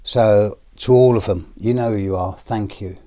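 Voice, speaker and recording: A middle-aged British man with a hoarse, deep voice and a cough, talking slowly to his viewers in a personal video with pauses and fillers. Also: mellow. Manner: slow, measured, with pauses and fillers. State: hoarse and coughing after illness. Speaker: astrologer.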